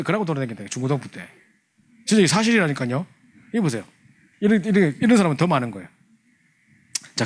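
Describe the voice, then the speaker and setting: A man telling a humorous testimony to a church class, acting out his younger self. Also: fairly high pitch. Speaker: church youth leader teaching a training class.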